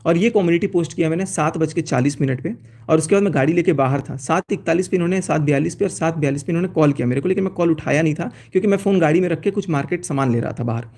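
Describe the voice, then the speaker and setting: A man's voice: on the high side, racing, darkish tone. A man talking on a phone live stream, laying out his side in an aggrieved, accusing way as he reads out chat messages. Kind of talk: casual live-stream talk, reading out chats.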